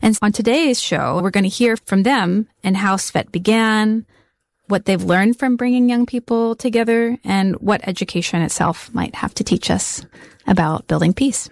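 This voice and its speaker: A woman hosting a show, introducing a segment in a calm, deliberate, explanatory way. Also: mid-range voice, gravelly, no echo. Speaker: radio show host.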